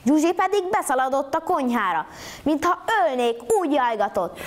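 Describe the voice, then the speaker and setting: Woman storyteller, bright higher voice, lively rhythmic folk-tale telling, swings in pitch. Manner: animated, rhythmic rhyming delivery. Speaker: storytelling contestant.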